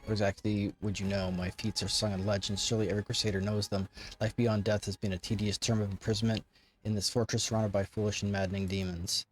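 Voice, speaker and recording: A man's voice: lowish voice, level tone, quick pace, slight background noise, close to an everyday voice. Man playing an arrogant ancient undead lich king. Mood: bitter, disdainful. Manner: haughty, formal, archaic speech. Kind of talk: reading game dialogue in character.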